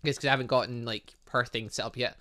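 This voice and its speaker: A man's voice: medium pitch, steady tone, fast, bright, forceful tone. A man chatting his way through a visual novel, thinking aloud and reading game text with playful little sound effects. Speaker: gaming YouTuber.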